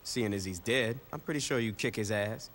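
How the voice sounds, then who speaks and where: An actor playing a blunt, sarcastic, foul-mouthed gang leader in a video game. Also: male voice, on the low side, normal speed, fairly bright tone, slight background noise, close to an everyday voice. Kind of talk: video game cutscene acting.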